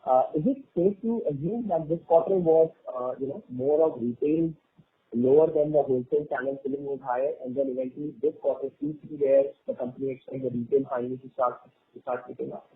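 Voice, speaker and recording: A man's voice: medium pitch, quick pace, slightly rough. A man asking questions as an analyst on an earnings call, phrasing them in a hesitant, roundabout way over the phone. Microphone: phone conference line. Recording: tinny phone-line conference call.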